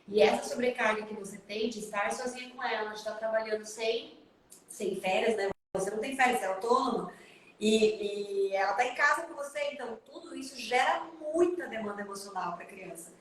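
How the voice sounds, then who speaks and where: A woman in her thirties with a Brazilian accent, giving parenting advice live over a video call, fast and emphatic. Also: a little high, very echoey, distant mic, slight background noise. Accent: Brazilian Portuguese. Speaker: parenting consultant.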